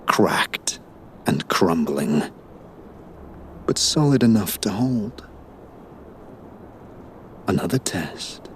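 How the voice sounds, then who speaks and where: A man playing a silky, sinister storyteller, narrating a hypnotic dark fairy tale with theatrical, lingering words. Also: low-pitched, slight background noise. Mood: scornful, ominous. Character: sinister, silky storyteller lulling a traveler to sleep. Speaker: bedtime storyteller.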